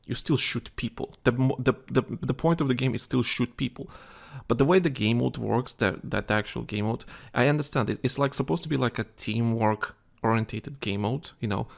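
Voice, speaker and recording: A man's voice: medium pitch, moderate pace, creaky, hardly any pauses. A tired man co-hosting a casual gaming chat show, rambling with many restarts and fillers. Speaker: podcast co-host.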